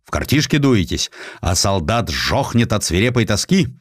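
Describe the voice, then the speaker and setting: A man's voice: on the low side, very animated, normal speed, dry recording, studio quality. A man voicing a decisive, demanding army commander, giving orders in emphatic phrases in a dramatised historical story. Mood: stern.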